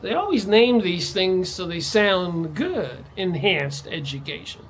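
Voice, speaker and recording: A man's voice: sits high, lively intonation, slow, a bit bright, a little hiss or hum. A man vlogging in a ranting monologue, his voice jumping up sharply on stressed words. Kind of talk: monologue to camera.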